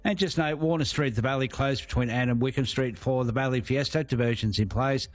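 A man's voice: medium pitch, a little fast, dry recording. Australian man reading traffic report. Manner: smooth, steady reporting.

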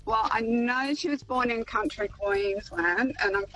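Hesitant bright woman caller. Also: on the high side, unhurried, soft background music, rough recording. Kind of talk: phone-in chat.

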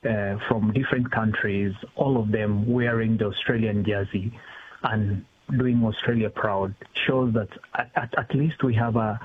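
A man's voice: on the low side, breathy edge. A man speaking as a community council executive, a guest on a phone-in radio interview, earnest and searching for his words. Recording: tinny phone line with faint hiss.

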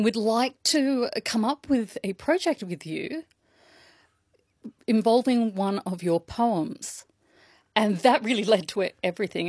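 A woman voices a deaf poet's signed answers in first person. She gives each phrase room and lays it down calmly and deliberately. Her voice is close and dry, with no room sound around it. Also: mid-range voice, no room sound. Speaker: sign language interpreter. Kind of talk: interpreting a deaf guest's answers.

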